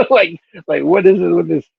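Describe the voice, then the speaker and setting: A man's voice: sits high, animated, a little slow, vocal fry, breathy edge, no room sound. Laid-back man on a tinny phone line. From Seattle. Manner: laid-back, many fillers, voice jumps up for quoted reactions. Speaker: hip-hop DJ and label figure telling his story. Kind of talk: casual storytelling interview.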